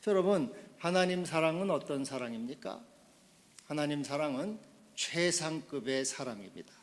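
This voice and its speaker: A man pastor delivering a Sunday sermon, asking the congregation questions and building to loud, emphatic climaxes. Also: fairly high pitch, expressive, moderate pace, big-room sound. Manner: asks the congregation questions directly.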